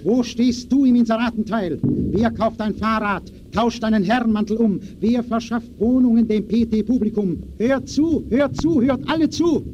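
An actor playing a solemn, urgent announcer who declaims rhythmic verse in 1920s expressionist radio-play style. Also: male voice, very high voice, moderate pace, darkish tone. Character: solemn, urgent poetic announcer calling to the masses. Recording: dull, noisy old radio recording.

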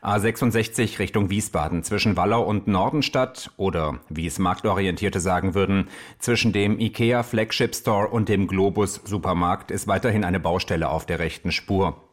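A man's voice: low voice, normal speed. A man playing a radio traffic announcer, delivering scripted bulletins in a radio comedy. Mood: matter-of-fact. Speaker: traffic news presenter.

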